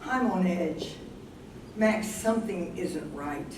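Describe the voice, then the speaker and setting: A woman's voice: lowish voice, slow. A woman playing a thoughtful, anxious professor wife troubled by her memory in a staged play reading. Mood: worried. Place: live staged reading in a room. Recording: noisy, echoey room from a distance.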